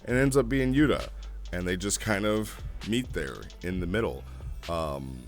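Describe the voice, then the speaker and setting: A man hosting a casual review, talking informally and haltingly in an amused way as he thinks aloud. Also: low voice, animated, soft background music. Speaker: host reviewing role-play logs. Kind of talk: casual rambling review commentary.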